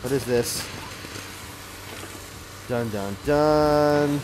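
Against a noisy background of game music and sound effects, a man with a slightly high voice draws out his words while playing a video game. As a gaming video host, he mutters short, repeated phrases and mild, clean exclamations in casual commentary.

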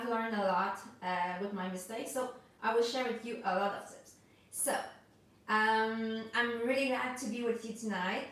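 A woman in her thirties with a French accent, hosting a live art masterclass and greeting viewers, hesitant with many ums and restarts. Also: a little high. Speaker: art instructor hosting a livestream. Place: home studio room with art supplies on a table. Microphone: camera a few feet away. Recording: echoey room, voice from a distance.

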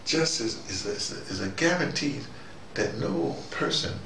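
Gravelly man lecturing in a roomy room. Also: mid-range voice, lively intonation, normal speed. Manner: digressive, with sudden rising emphasis. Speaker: commentator speaking to a small audience. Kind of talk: rambling spoken lecture. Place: small room indoors. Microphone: far camera mic. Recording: roomy, distant, noisy.

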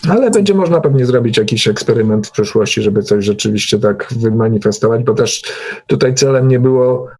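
A man leads an informal online group discussion. His mid-pitched voice has plenty of creak in it. He talks haltingly, often stretching out hesitation sounds as he looks for the next phrase. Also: a little mellow. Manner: hesitant, halting, with many drawn-out filler pauses. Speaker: host of an online group meeting. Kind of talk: informal online meeting talk. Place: online video meeting.

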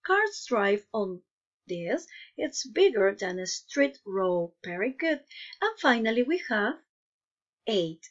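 A woman's voice: medium pitch, big pitch swings, slow, lo-fi sound. A woman teaching young children in the manner of a kids show host, encouraging and prompting them with questions and short checking tags. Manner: kids show host style, encouraging, addressing viewers directly; frequent questioning tags like "no?" and "okay?". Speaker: primary school English teacher. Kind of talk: children's online lesson, prompting pupils with questions.

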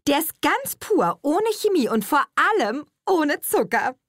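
Woman reader doing a chirpy excitable girlfriend, high squeaky gushing voice, dry booth sound. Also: a little slow, no echo, exaggerated voice. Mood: chatty. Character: bubbly young woman friend, excitable.

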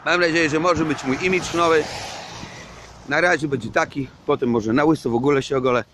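A man's voice: on the high side, steady tone, fairly quick, a bit bright. A man rambling in a casual vlog monologue while walking outdoors at night. He hedges a lot and swears casually. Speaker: vlogger. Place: outdoors at night under a street lamp.

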